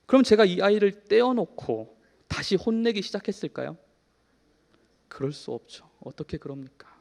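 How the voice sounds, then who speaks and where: A man in his thirties preaching a sermon in a church, telling a personal story in an earnest way, shifting from soft to emphatic. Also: high-pitched, sing-song, normal speed, gravelly. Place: church hall. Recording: long hall reverb.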